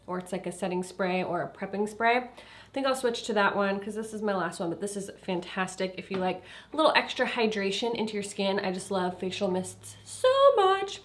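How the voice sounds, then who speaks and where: A woman's voice: medium pitch, a little hiss or hum. A young woman reviewing a foundation in a casual vlog, congested and a little nasal, chatty with lots of fillers. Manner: chatty, filler-heavy, trailing into quiet asides. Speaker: beauty vlogger. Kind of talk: casual product review and makeup demo.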